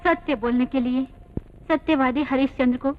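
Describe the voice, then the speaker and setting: An actress dubbing a wise elder sister-in-law who speaks earnestly and persuasively. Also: female voice, high-pitched, fairly even intonation, normal speed, a little hiss or hum, natural voice. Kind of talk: Hindi film dubbing. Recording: tinny narrow film audio.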